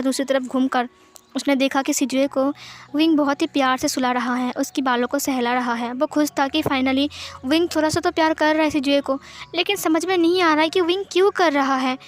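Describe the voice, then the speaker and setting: A woman retelling a fan fiction story in a chatty way, often repeating her phrases. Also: sits high.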